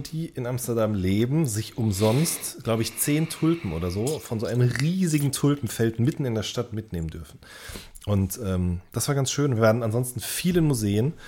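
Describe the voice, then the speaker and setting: A man's voice: mid-range voice, a little mellow. A man chatting casually as a podcast co-host, often hesitating as he searches for words.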